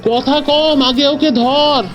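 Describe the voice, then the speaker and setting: A woman voicing a sceptical, scolding young boy in an animated cartoon, speaking in a bossy, colloquial way. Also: high voice, slow pace, lo-fi sound, soft background music. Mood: alarmed.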